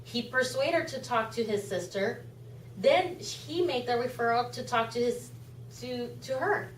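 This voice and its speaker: Woman, spanish first language, earnest club speech, kinda high voice, mic far off in a boomy room. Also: animated, unhurried, echoey room, slight background noise. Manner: earnest, impassioned, repeats phrases. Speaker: charity speaker. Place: meeting room.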